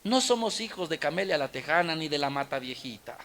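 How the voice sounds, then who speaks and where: A man's voice: a little high, lively intonation, fairly quick, a bit bright. A man, a Catholic preacher telling a story in a sermon, dramatic and exhorting, acting out the dialogue.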